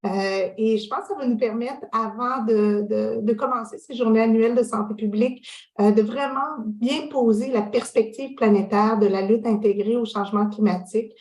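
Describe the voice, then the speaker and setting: A woman's voice: fairly high pitch, steady tone, normal speed, darkish tone. Quebec woman interviewer, echoey room. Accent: Quebec French. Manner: many fillers, earnest. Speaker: interviewer, public health director. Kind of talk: interview on video call. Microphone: video call.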